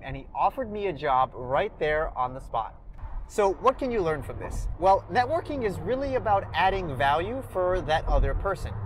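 A young man with a somewhat high voice tells stories in an upbeat, casual way from a car. His voice comes through a lapel mic, with a faint hum of road ambience behind him. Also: rough recording. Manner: upbeat, gestures while talking. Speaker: career vlogger. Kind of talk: casual storytelling to camera. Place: parked car interior.

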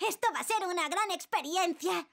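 A woman playing a bright, friendly young female rescue team operator in a Spanish-dubbed children's cartoon, cheerful and encouraging. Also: very high-pitched, moderate pace, vocal fry.

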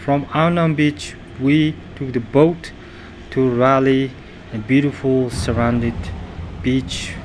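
A man's voice: mid-range voice, steady tone, slow, a little mellow, a little hiss or hum. A man narrating his travel vlog as a voice-over, plainly and with some hesitation. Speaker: travel vlogger.

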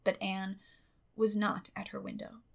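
A woman's voice: medium pitch, little pitch movement, measured pace, vocal fry. A woman reading a classic novel as an audiobook narrator, in scripted literary storytelling style.

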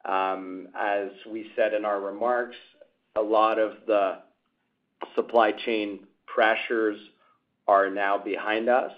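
A man speaking as a company executive, giving measured, hesitant answers on an earnings call over a tinny phone line. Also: lowish voice, flat delivery. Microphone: telephone conference line.

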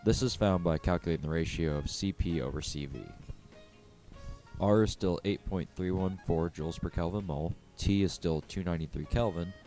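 Low-voiced man narrating a science lesson. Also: moderate pace, warm tone, soft background music. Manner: explanatory, step-by-step. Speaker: physics explainer. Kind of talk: scripted educational narration.

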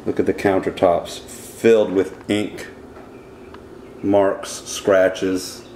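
Deep, slow man in echoey empty rooms. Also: flat delivery, dark tone. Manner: disapproving, terse, emphatic. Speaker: realtor filming a property inspection. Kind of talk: off-the-cuff walkthrough narration. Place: indoors, empty townhouse rooms. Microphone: handheld camera microphone. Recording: echoey empty rooms, faint background noise.

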